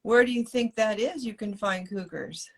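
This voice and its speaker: Older lady cohost, bit husky, laid back, chimes in with jokes and tips. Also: medium pitch, normal speed. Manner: easygoing, chimes in with jokes and advice. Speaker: co-host of a live stream show. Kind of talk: casual chat.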